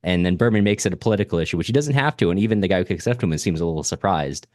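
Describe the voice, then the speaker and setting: A man's voice: deep voice, lively intonation, rapid-fire, darkish tone, dry recording, studio quality. A man co-hosting a podcast, talking through a book in a casual, discursive and analytical way, often rephrasing himself mid-thought. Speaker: podcast co-host discussing a novel.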